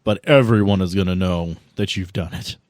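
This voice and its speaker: A man's voice: sits low, moderate pace, darkish tone, no room sound, clean studio sound. A man narrating casually as game master, improvising in an informal, sweary way with hesitant phrasing. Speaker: game master of a tabletop RPG podcast.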